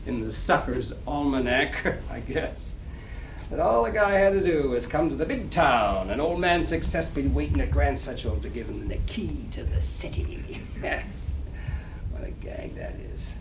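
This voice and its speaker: An actor playing a cocky, wistful small-time 1920s New York gambler, telling rambling stories in slangy wiseguy talk at a dramatic play reading. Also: male voice, fairly high pitch, lively intonation, measured pace. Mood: wry, mocking. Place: library reading room. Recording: roomy distant live recording, clear noise.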